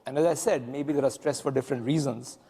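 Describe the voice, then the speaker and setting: Brief: male panelist, candid and mellow-toned, in an echoing conference hall. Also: medium pitch, fairly even intonation, fast talker, vocal fry, husky. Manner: candid, frank opinions. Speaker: panelist, investment executive. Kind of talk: panel discussion. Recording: long hall reverb.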